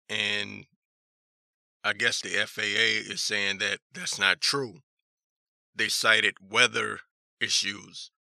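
A man with a hoarse voice giving casual news commentary as a talk show host, halting and repeating himself in a skeptical manner as he reads articles aloud. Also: on the low side, pushed and bright, dry recording, clean studio sound.

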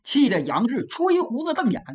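A woman storyteller narrating a classic novel with a lively, expressive delivery. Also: high-pitched, moderate pace.

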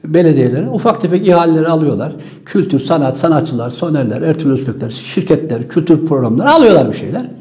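A man's voice: on the high side, sing-song, fast, hardly any pauses, mellow. A man giving an impassioned political monologue, fiery and scornful, firing off rhetorical questions and sounding weary. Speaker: political commentator.

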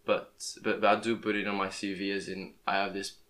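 A man's voice: low-pitched, little pitch movement, fairly quick, fairly bright tone. A young man, a native Portuguese speaker, talking in a casual podcast interview, often restarting his words. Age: young adult. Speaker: podcast host. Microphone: plugged-in podcast microphone.

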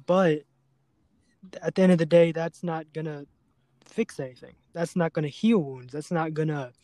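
A man hosting a serious podcast conversation, speaking earnestly and haltingly, often repeating words as he goes. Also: on the high side, fairly even intonation, warm tone, dry recording. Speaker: podcast host.

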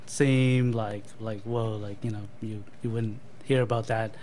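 A man's voice: lowish voice, fairly even intonation, a little slow, a little mellow, slight background noise. A man being interviewed as a company guest, thoughtful and hesitant, filling his answers with ums and uhs. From born in Thailand to Cambodian parents, raised in Canada. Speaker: marketing manager and guest.

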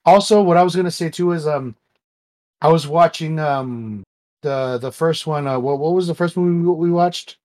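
A man co-hosting a podcast, chatting casually, halting and repeating words as he searches for what to say. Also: on the high side, darkish tone. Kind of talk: casual chat.

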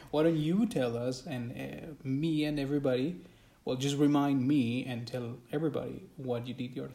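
Guy hosting an english podcast, warm voice, lots of uh, roomy echo. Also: mid-range voice, measured pace, vocal fry. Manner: friendly, hesitant with many fillers. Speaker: podcast host and English teacher. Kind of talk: casual interview chat. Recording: echoey room.

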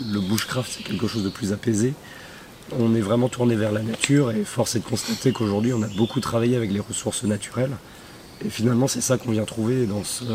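Hoarse male podcast host, casual and chatty, recorded outdoors with clear background noise. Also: mid-range voice. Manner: relaxed, chatty, many fillers. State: hoarse, losing his voice. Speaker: podcast host and bushcraft instructor. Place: outdoors at a rural bushcraft camp.

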